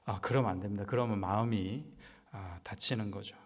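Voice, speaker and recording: A man's voice: fairly low pitch, fairly quick. A man pastor preaching a Wednesday sermon in a conversational style, asking the congregation rhetorical questions. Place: church sanctuary. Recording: long church hall reverb.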